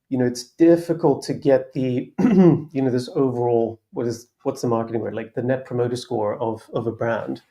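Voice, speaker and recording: A man speaking as a guest on a panel, explaining his company's work in a relaxed way, pausing often with fillers and restarts. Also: medium pitch. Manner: relaxed, hesitant with many fillers. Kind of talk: casual panel discussion.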